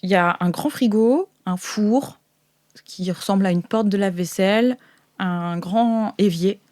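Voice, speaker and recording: A woman's voice: mid-range voice, unhurried, a little mellow. A woman narrating an improvised tabletop game as game master, in an informal, descriptive and hesitant way.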